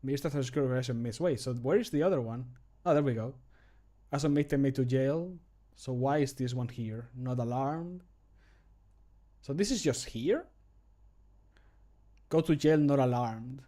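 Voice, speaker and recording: A man's voice: medium pitch, normal speed, dark tone. A man in his thirties chatting casually on a livestream while he works, thinking aloud with self-deprecating remarks and some swearing. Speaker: streamer recording game mod voice lines. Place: small home room, indoors.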